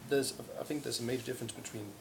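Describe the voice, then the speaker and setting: A man's voice: medium pitch, level tone, very fast, vocal fry, crowd noise. A man who is a university lecturer and a native Danish speaker, speaking reflectively in a group discussion with many hesitant restarts.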